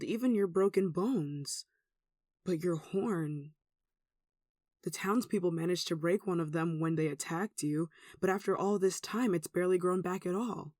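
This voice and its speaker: A performer with a mid-pitched voice playing an anxious, devout, caring villager in an earnest, hesitant ASMR roleplay. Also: no echo, clean studio sound. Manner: earnest, hesitant, soft sighing delivery. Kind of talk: ASMR roleplay audio drama.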